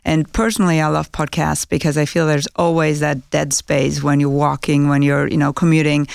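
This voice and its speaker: Gravelly-voiced woman. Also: sits low, flat delivery, darkish tone, no echo, studio quality. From Germany. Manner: thoughtful, measured, with frequent um fillers. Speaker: guest, chief marketing officer. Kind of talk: podcast interview.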